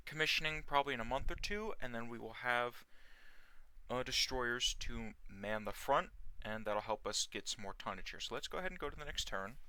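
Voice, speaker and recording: Slightly hoarse, bright-voiced man narrating gameplay. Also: mid-range voice, no echo. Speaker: host of a video game series. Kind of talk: casual let's play commentary. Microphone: close dry mic, gameplay voice-over.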